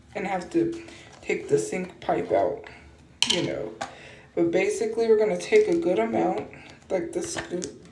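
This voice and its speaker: A woman's voice is heard with audible room echo. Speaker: social media creator. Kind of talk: makeup tutorial. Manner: soft-spoken; casual, halting.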